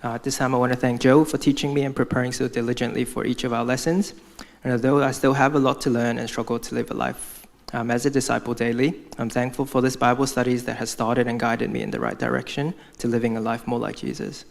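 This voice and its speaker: A man's voice: medium pitch, flat delivery, quick pace, gravelly. A young man from Hong Kong giving a prepared church testimony, speaking earnestly as if from notes.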